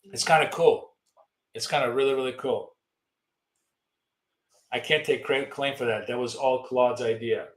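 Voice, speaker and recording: A hoarse man with a middle-pitched voice gives casual, rambling market commentary on a live trading stream, breaking off to answer viewer questions. He speaks a little slowly with a steady tone and long pauses, and the room rings with noticeable echo.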